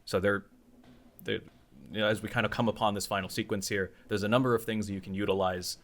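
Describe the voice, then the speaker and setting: Low-voiced man narrating a tabletop game. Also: level tone, fairly bright tone. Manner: halting, conversational, thinking aloud. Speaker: game master. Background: music.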